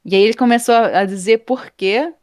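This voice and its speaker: A woman, a guest in an interview, telling a story in a casual, animated way and acting out the people in it. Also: a little high, a little fast, no echo, clean studio sound. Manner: animated, acts out quoted people, laughs often. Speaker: interview guest, game art professor.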